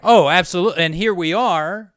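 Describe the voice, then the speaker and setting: A man's voice: high-pitched, brisk, fairly bright tone, no echo. Middle-aged man, dry close sound. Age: late 40s. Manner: rambling, frequent "like" asides. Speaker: interviewer, host. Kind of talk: casual conversational interview.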